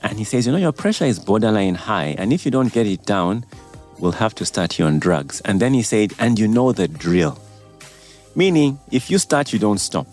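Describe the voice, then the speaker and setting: Deep-voiced doctor telling his story. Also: normal speed, faint music behind. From Uganda. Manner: relaxed storytelling, easy laughs. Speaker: doctor and guest. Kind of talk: casual interview chat.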